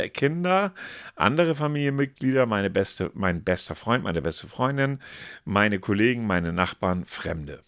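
Lively German man reading a quiz. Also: fairly low pitch, dry recording, studio quality. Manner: reads answer options aloud in a lively, playful tone. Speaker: podcast co-host. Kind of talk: casual podcast chat, reading out a quiz.

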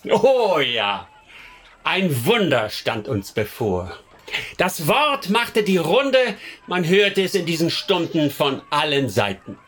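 An actor plays a devout young-crusade follower telling his story in a radio drama. The man speaks slowly and solemnly, rhetorical and fervent, in a breathy, raised voice. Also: fairly high pitch, big pitch swings, a bit bright, exaggerated voice. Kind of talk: scripted radio drama narration.

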